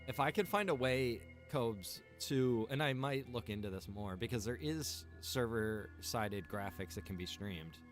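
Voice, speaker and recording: A man live streaming a game, talking casually to viewers and thinking aloud in an informal, chatty way. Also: mid-range voice.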